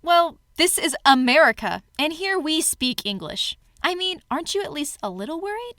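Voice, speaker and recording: A woman's voice: high-pitched, sing-song, moderate pace, bright, forceful tone, no room sound, exaggerated voice. A woman playing a suspicious, melodramatic young volunteer in an amateur theater skit, emphatic and theatrical. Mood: suspicious, insistent.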